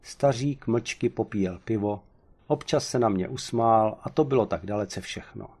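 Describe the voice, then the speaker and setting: A man reading a humorous short story aloud in the first person, with an even, wry storytelling manner. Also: on the low side, breathy edge. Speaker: audiobook reader.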